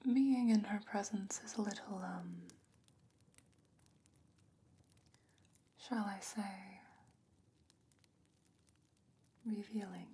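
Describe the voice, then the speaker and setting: Whispering as a calm and secretive potion maker, a woman performs a quiet ASMR fantasy roleplay at a slow, breathy pace with measured, hesitant pauses. Her mid-range voice has a breathy edge, and her tone is wry and cautionary.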